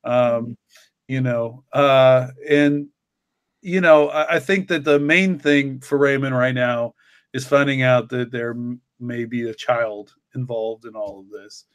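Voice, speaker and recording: A man with a mid-pitched voice co-hosts a casual discussion. He explains things hesitantly, pausing and feeling his way through phrases. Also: smooth. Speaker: podcast co-host and story creator.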